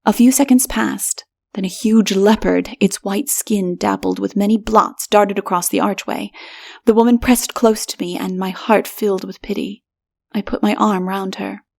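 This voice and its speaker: A woman's voice: medium pitch, steady tone, moderate pace, vocal fry, a little mellow. A woman reading a story aloud as dramatic, scripted audiobook narration.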